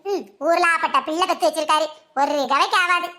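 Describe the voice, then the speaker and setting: Woman voicing a shrill fussy village mother. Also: steady tone, brisk, bright, forceful tone. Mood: complaining. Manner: complaining, scolding. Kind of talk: cartoon comedy voice acting.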